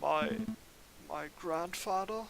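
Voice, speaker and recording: A man's voice: fairly high pitch, takes it slowly, vocal fry, a bit bright, slight background noise, exaggerated voice, low-quality recording. A man voicing an anxious, flustered young male bird lawyer in a story game.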